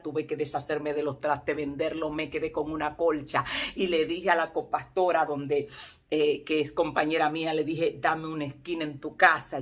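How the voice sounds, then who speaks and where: A woman pastor delivering an emotional testimony sermon, emphatic and speaking straight to her listeners. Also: low voice. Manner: impassioned, emphatic, addresses listeners directly.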